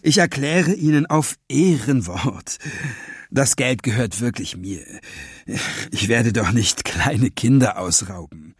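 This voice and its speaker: A man reading aloud and voicing a middle-aged thief who lies politely and offhandedly, lower and softer than his narration. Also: lively intonation, slow pace, breathy edge, no room sound, clean studio sound. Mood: sly. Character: smooth lying middle-aged male thief, politely sly.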